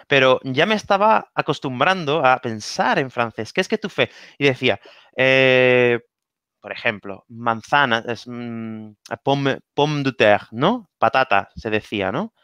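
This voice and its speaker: A man with a Spanish accent from Spain talks through language-learning advice in a relaxed interview. He is animated and repeats key phrases, checking in with "¿vale?". His voice is bright and forceful, recorded dry and close. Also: mid-range voice, a little slow, clear, resonant tone, dry recording. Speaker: guest giving language-learning tips. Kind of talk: casual online interview.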